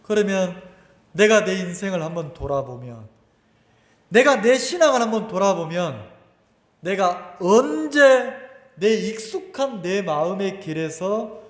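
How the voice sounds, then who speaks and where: A man's voice: high voice, animated, unhurried. A pastor preaching a sermon, firing rhetorical questions at his congregation with emphatic delivery. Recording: echoey church hall.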